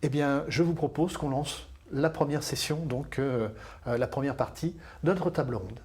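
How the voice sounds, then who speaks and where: A man's voice: medium pitch, moderate pace. A man moderating a live panel discussion, introducing the guests in a friendly, chatty way with frequent hesitations.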